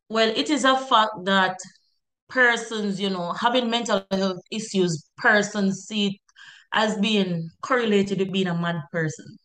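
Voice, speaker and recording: Speaking at a fairly slow pace, a woman with a Jamaican accent has a medium pitch, ordinary pitch variation and a bright, sharp tone. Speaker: mental health advocacy researcher. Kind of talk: radio interview.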